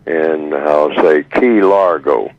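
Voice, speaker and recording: A man in his eighties speaking by phone as a radio guest over a clipped line, slow and measured with halting fillers. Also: extremely low pitch. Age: 80s. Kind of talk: radio call-in talk by phone. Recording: dull, dry phone line.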